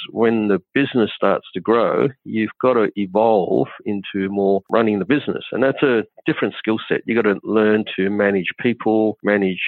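A man, hoarse from a cold, talks in a rambling, plain way and often repeats himself as he restarts. His voice sits a little low. It comes through a tinny, dry, phone-like line. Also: no echo. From Australia. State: croaky from a cold. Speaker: guest, accountant and firm co-founder. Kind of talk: casual interview chat.

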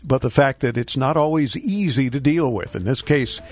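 A man's voice: mid-range voice, moderate pace, soft background music. A man hosting a radio tech show, chatty and joking as he answers questions. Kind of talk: casual radio talk.

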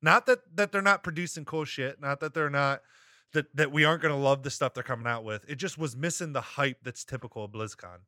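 A man's voice: fairly high pitch, brisk, sharp tone, no echo, clean studio sound. A man co-hosting a live-streamed talk show, rambling and hedging with lots of restarts as he reads chat and gives his view. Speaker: podcast co-host.

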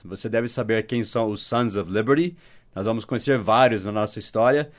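A Brazilian man hosting a mini-podcast English lesson, explaining phrases patiently, repeating them slowly and spelling words out letter by letter. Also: medium pitch. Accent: Brazilian Portuguese. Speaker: English teacher.

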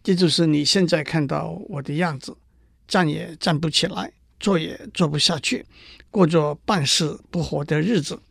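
A sorrowful young prince from a storybook fable, cursed and half turned to stone, as a man reads him aloud. The voice sits high and has a gravelly edge, and it sounds close and dry. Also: moderate pace, a bit bright, dry recording, exaggerated voice. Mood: grieving.

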